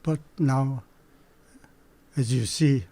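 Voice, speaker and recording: A man in his eighties, native Korean speaker, recalling his childhood in a halting way with many pauses. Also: medium pitch, dark tone, no echo. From Manchuria. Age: 80s. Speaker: guest. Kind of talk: recalling memories in an interview.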